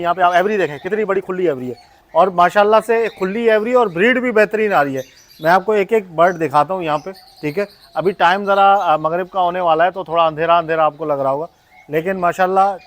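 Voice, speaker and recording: A man with a Pakistani Urdu accent guiding viewers through an outdoor bird aviary in an excited, exclaiming manner, birds chirping nearby. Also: high-pitched. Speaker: vlogger touring a bird aviary. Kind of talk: casual walk-through vlog. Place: outdoor open aviary at dusk.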